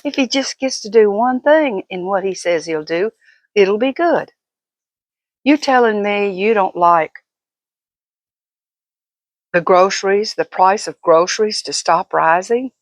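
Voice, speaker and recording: An older woman talks to her vlog audience in an unhurried, folksy way. She delivers a casual, opinionated monologue with an emphatic, fussing manner, at a middling pitch in a dry, close-sounding recording. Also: lively intonation, no echo. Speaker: vlogger.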